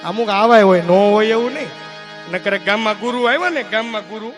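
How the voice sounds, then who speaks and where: A man's voice: high-pitched, brisk, music in the background. A young man telling folk comedy stories on stage, slipping into character voices. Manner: lively storytelling, jumping between character voices. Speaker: comedian and mimic.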